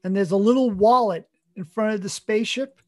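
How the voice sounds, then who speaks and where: A man co-hosting a relaxed cartoonist podcast. He talks earnestly and wanders through his points, often stopping to correct himself. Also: high voice, a little fast. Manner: earnest, rambling, self-correcting. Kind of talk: casual chat.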